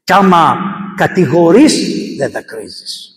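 A male priest giving a sermon, telling a saint's story as a lively storyteller with emphatic repetitions. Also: fairly high pitch. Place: church. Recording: echoey church with long reverb.

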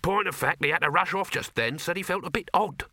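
A man's voice: high-pitched, brisk, bright, forceful tone, no echo, studio quality, pitched above the performer's own voice, full character voice. A man voicing a cheerful, conspiratorial sausage hawker in a storybook, with colloquial, wheedling sales patter. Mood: confiding.

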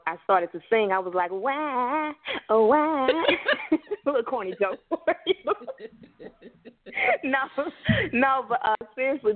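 A woman at mid pitch on a thin, crackly phone line that keeps fading out. She talks hesitantly, with plenty of fillers and restarts, and laughs at her own jokes. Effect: crackly phone line that fades in and out. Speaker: musician guest. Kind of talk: phone interview.

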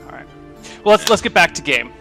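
An American man running a livestreamed tabletop game as game master, relaxed and chatty, thinking aloud with plenty of ums. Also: high voice, fast talker, soft background music. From United States.

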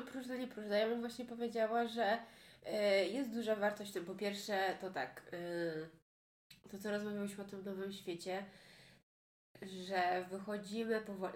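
Chatty woman host in a roomy space. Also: medium pitch. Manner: chatty, trails off and restarts. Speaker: podcast host. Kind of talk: casual conversational interview. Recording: roomy echo.

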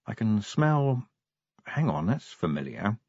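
A man voicing a wry, sardonic young werewolf woman with a sharp nose. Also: lowish voice, sing-song, takes it slowly, gravelly, husky, dry recording, muffled recording, full character voice. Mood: sniffing.

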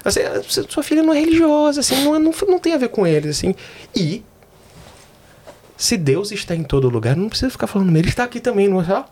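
A man's voice: sits high, sing-song, very fast, a little mellow. A man who works as a wedding celebrant, chatting casually on a podcast and telling stories with jokes and swearing. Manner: storytelling with joking asides and swearing. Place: in Australia.

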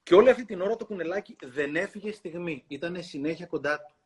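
A man hosting a talk, reading a children's book aloud in an expressive storytelling way and pausing to comment. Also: high-pitched, a little hiss or hum. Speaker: host.

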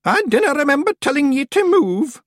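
A man's voice: extremely high pitch, big pitch swings, normal speed, a bit bright, dry recording, clean studio sound, pitched above the performer's own voice, exaggerated voice. A man voicing a formidable old witch woman, bossy and sly, with a Scottish accent, in an audiobook story. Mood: commanding. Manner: bossy, barking orders.

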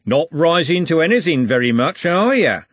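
A man's voice: on the high side, fairly quick, dry recording, pitched above the performer's own voice, close to an everyday voice. A man voicing a menacing, working-class street bully in an audiobook, goading in colloquial speech. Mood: taunting.

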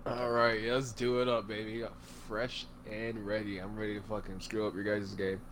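A man's voice: lowish voice, monotone, moderate pace, fairly bright tone, slight background noise. A man guesting on a gaming podcast, laughing often and joking at his own expense. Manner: laughing, self-deprecating. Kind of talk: casual gaming chat.

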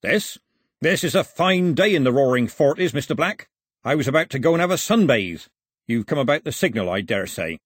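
A plain-spoken sea captain from a seafaring tale, acted by a male narrator. He is wary and dryly respectful, with blunt sailor's talk. The voice is husky, lifted in pitch and recorded very dry. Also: very animated, a little fast, no room sound. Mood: wry, brisk. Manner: blunt, folksy, nautical talk.

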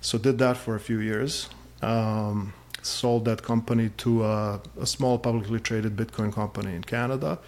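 A man's voice: fairly low pitch, fairly even intonation, moderate pace, darkish tone. A man in his forties from Serbia, chatting casually as an interview guest, with lots of fillers and a self-deprecating humor.

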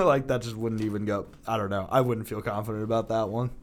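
A man's voice: on the low side, fairly even intonation, quick pace, a little hiss or hum. A young man in a metal band, a podcast guest chatting loosely and swearing often, with frequent laughs and lots of "like". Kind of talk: casual chat.

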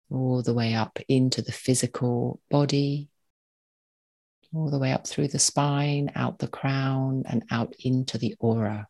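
This is a meditation guide speaking in a mid-range voice, unhurried and soothing. Instructions arrive in short phrases with gaps between them, all in a calm tone.

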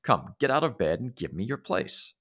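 A man voicing a grumpy, greedy little old man who shouts and demands. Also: very animated, moderate pace. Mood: grumbling demanding. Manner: high, blustering, demanding.

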